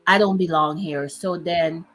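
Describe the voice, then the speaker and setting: Chatty woman, low voice. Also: steady tone. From Dominica. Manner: chatty, laughs often, drawn-out emphasis. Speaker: host. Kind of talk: casual chat.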